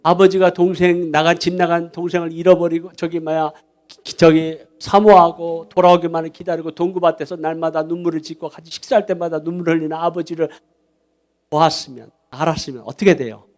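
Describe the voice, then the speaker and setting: A middle-aged man preaching a sermon, telling a family story with lively acted-out dialogue. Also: fairly high pitch, fairly quick. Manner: storytelling with animated quoted dialogue. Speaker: pastor.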